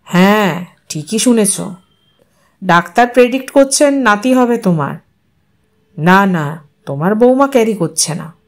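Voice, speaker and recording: A woman voicing a young city husband who lowers her voice to patiently and defensively explain himself to his mother on the phone. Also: lively intonation, measured pace, long pauses. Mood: insistent.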